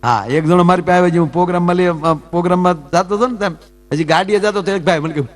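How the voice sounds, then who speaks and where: Man, stage comedian, chatty and teasing the crowd, quick asides, mains hum in the background. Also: high-pitched. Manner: chatty, teasing the audience, jumps between jokes and asides. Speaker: folk comedian and storyteller on stage. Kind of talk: live Gujarati folk comedy talk with audience banter.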